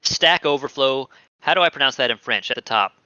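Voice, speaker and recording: A man hosting a casual crypto streaming show, chatty and animated, often laughing. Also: mid-range voice, brisk, clean tone, dry recording, highs cut off. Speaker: podcast host.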